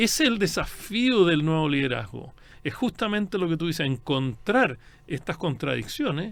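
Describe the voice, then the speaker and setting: A man at a fairly high pitch with very wide pitch swings and a fairly slow pace. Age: 60s. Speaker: guest speaker. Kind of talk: radio interview.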